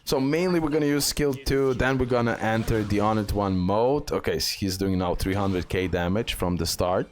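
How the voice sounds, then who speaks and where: A man's voice: on the low side, normal speed, hardly any pauses, soft background music. A man hosting a game guide and showcase, talking through it with some hesitant, repetitive phrasing. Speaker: gaming video host.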